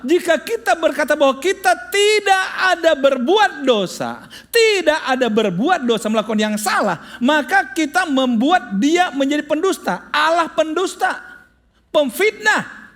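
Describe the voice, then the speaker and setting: A man's voice: extremely high pitch, a bit bright. A male pastor preaching a sermon, telling humorous stories and addressing the congregation directly.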